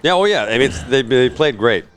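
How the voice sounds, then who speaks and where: A man's voice: mid-range voice, lively intonation, fairly quick, dry recording. A man doing casual play-by-play commentary on a local football game, chatty and joking between plays. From Canada.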